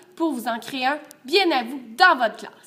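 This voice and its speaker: Lively intonation in a woman's high voice. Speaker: student presenter and interviewer. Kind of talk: scripted conclusion of a class project video.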